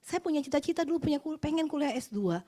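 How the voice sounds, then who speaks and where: In a high voice and at a quick pace, this Indonesian woman from West Java, in her forties, gives her personal testimony as a sermon at an office worship meeting. She talks in a chatty, expressive manner, using English phrases here and there and laughing between points.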